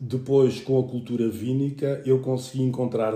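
A man's medium-pitched voice in a European Portuguese accent, at a moderate pace with fairly even intonation. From Portugal, Coimbra district. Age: 50s. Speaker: winemaker. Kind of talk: interview. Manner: halting.

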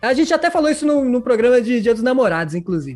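A man talks at a very fast pace with an animated tone. His pitch swings very widely. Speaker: podcast host. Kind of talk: casual chat.

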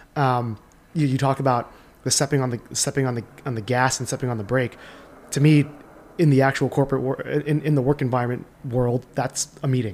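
With an American accent, a man speaks fairly quickly in a plain, everyday voice. His pitch is medium and his intonation fairly even. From US Northeast, central New Jersey. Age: 30s. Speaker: beverage company founder.

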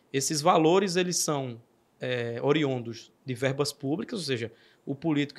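On a very clean recording with a silent background, a man with an unremarkable speaking voice talks at a moderate pace with lively intonation. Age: 30s. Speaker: journalist and political candidate. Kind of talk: casual interview.

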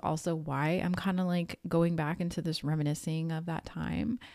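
On a very clean recording with a silent background, a woman with a fairly low pitch talks at a moderate pace in a normal speaking voice. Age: 30s. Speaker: podcast host. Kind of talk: casual monologue. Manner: conversational, laughs often.

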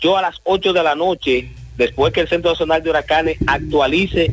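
A man's fairly high voice with vocal fry and a Dominican accent. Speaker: meteorology expert. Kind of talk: radio interview.

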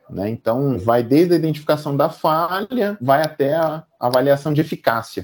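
A man with an unremarkable speaking voice, fairly high in pitch, at a moderate pace with lively intonation and hardly any pauses. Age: 30s. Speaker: maintenance management consultant. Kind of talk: professional panel discussion.

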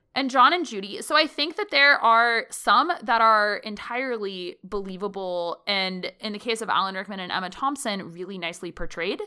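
In a very clean recording with a silent background, a woman with an American accent speaks at a moderate pace with hardly any pauses, her fairly high voice bright and sharp, her intonation lively and her loudness swinging widely. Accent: American, described as nasal. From USA. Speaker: podcast guest. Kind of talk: casual chat.

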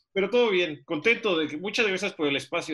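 Intonation from this man is lively. His voice sits high in pitch. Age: 30s. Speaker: writer. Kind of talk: interview.

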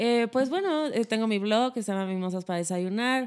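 A woman with a plain, everyday voice speaks at a moderate pace with ordinary pitch variation. The recording is very clean, with a silent background. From Mexico, Cancún (born Acapulco). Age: 30s. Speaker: stand-up comedian. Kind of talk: casual chat.

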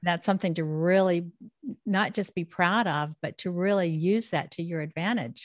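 A woman's fairly low voice with a slight Southern US accent and ordinary pitch variation, dry and close with no echo, over a quiet background. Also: moderate pace. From South Carolina, US South. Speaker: business owner, former nurse. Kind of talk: casual interview.

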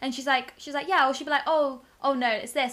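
A woman with a high pitch uses a raised, projected voice. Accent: English. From England. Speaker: podcast co-host. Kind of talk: casual chat.

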